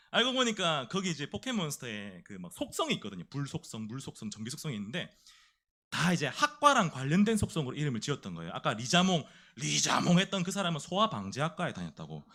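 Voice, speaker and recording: A man preaching a sermon in a church, telling a story with lively energy and putting questions to the congregation. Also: on the high side, fast talker.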